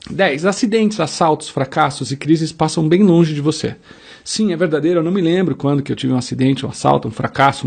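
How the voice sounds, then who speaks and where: A man's voice: a little high, creaky, darkish tone, husky. A man leads a self-help quiz, reading each statement and acting out sample answers in the first person. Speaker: motivational speaker.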